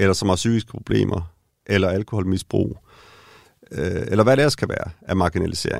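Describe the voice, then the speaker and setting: A fairly low-pitched man's voice with ordinary pitch variation. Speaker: anthropologist and gender researcher. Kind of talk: interview. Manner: halting, many fillers.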